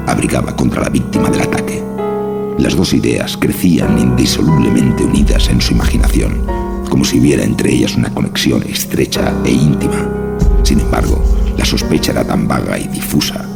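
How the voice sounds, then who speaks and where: A man narrates a horror tale in an extremely deep voice. It is heavily creaky and gravelly, with a dramatic scripted delivery, and music plays prominently behind him. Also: moderate pace.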